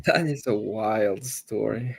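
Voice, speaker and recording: A man's voice: fairly low pitch, takes it slowly, creaky, breathy edge. A man chatting casually on a live stream, laughing almost constantly while he jokes and teases. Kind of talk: casual chat.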